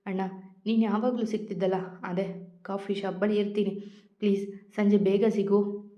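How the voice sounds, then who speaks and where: A woman's voice: mid-range voice, little pitch movement, moderate pace, reverberant, dull audio, natural voice. Woman reading as a tearful young wife. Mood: pleading. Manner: pleading, soft.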